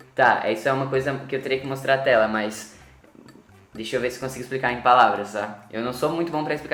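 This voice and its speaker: With audible room echo and noticeable background noise, a man talks in fairly even intonation. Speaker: wedding photographer. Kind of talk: live stream talk. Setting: Instagram live. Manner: fast.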